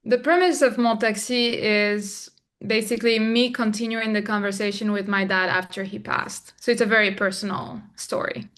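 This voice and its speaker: Young woman from Morocco, a thoughtful interview guest who often pauses and restarts, mid-range voice. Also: medium pitch, fairly even intonation, fairly bright tone. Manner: reflective, with frequent restarts and fillers. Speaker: filmmaker guest. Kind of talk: interview conversation.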